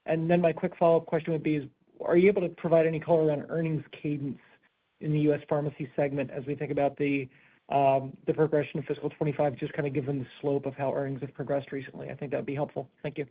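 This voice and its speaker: A man's voice: a little high, little pitch movement, fast talker, husky, narrow, tinny audio. A man, a financial analyst, asking questions on an earnings call.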